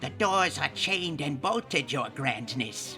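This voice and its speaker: A man puts on a character voice at a fairly high pitch. He goes at a fairly slow pace with clear music in the background. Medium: read story.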